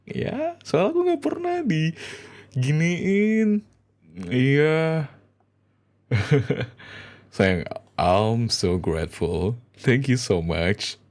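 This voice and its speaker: Speaking very slowly at a medium pitch and pausing often, a man takes on the role of an eager, loving husband talking to his wife in ASMR roleplay. The delivery is hesitant but expressive.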